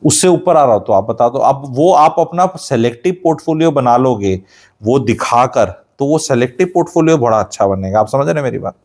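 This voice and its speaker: A man's voice: medium pitch, expressive, brisk, darkish tone. A man from Haryana, hosting a real estate channel, giving a blunt, sarcastic, lecturing monologue full of rhetorical questions. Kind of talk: opinionated monologue, mixing Hindi and English.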